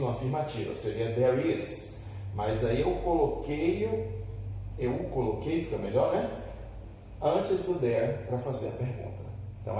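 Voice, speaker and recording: A man's voice: medium pitch, dark tone, a little hiss or hum. A Brazilian man teaching an English lesson to students at a board, patiently explaining step by step and often checking that they follow. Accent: Brazilian Portuguese. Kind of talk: classroom lesson. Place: classroom with a board. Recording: echoey room, voice from far off.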